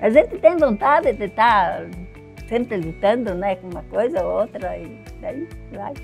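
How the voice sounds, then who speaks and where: Faint music plays behind a woman speaking at a fairly slow pace. Her loudness swings widely. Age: 80s+. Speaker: amateur bocce player. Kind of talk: interview answer. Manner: casual. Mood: cheerful, smiling. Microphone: lapel.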